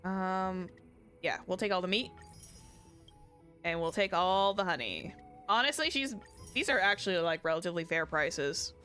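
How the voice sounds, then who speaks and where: A woman's voice: lowish voice, moderate pace, long pauses, pushed and bright. Casual woman streamer with music behind her. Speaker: streamer playing a game. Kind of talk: live game stream, casual commentary and reading dialogue aloud.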